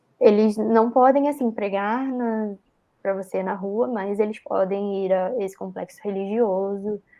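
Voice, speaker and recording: With a Rio de Janeiro accent, a woman speaks at a fairly slow pace. Her pitch is medium and her intonation fairly even. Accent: Brazilian Portuguese, carioca (Rio). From Brazil, Rio de Janeiro. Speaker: researcher. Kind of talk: live interview.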